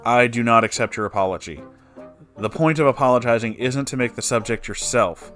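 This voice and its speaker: Reading someone's written personal story, a male narrator of online stories adds brief asides as he goes. He speaks briskly in a medium pitch with a fairly bright tone, and soft music runs underneath.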